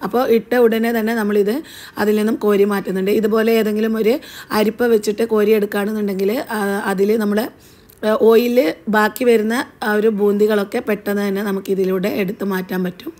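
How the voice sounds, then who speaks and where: Fast-talking Malayali woman cooking host. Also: medium pitch, little pitch movement, darkish tone. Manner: chatty, explains step by step with fillers. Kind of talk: recipe voice-over narration.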